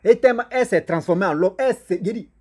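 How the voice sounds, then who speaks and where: A man with a husky, slightly breathy voice pitched a little high for a man tells a folk tale to his online audience. He speaks French as a second language, and his first tongue is a local African language. He talks in a lively, repetitive way and keeps breaking off to address his listeners directly. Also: fast. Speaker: storyteller and channel host. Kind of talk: casual oral storytelling to viewers.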